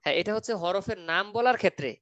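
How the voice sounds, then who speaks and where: A man's voice: high-pitched, lively intonation, very fast, fairly bright tone, clear, resonant tone, dry recording. A man teaching Quran recitation in an online class, patiently explaining step by step and asking if students follow.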